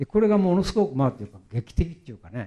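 A man's very fast speech with a dark, mellow tone and very wide pitch swings over a quiet background. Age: 80s+. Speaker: triathlete. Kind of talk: lecture talk. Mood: warm, smiling, reflective. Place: hall.

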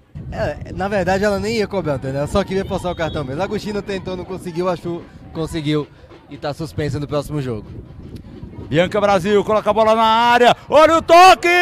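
His intonation is lively and his pitch high for a man. He talks at a fairly quick pace over music in the background. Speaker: football match commentator. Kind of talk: live sports commentary.

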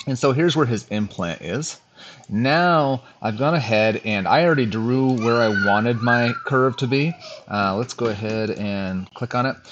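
A man keeps a moderate pace and ordinary pitch variation while light noise sounds in the background. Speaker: dentist instructor. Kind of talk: tutorial. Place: home room.

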